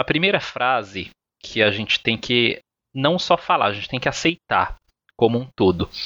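Against a quiet background, a man with a medium pitch speaks in a bright, sharp tone, the sound dry and close with no echo. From São Paulo, Brazil. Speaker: podcast guest. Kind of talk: casual chat. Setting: video call.

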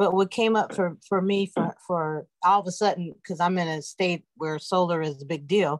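A woman with an American accent and a plain, everyday voice, fairly low in pitch, at a moderate pace with hardly any pauses, in a dry, close sound with no echo. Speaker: meeting participant. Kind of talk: casual chat. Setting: video call.

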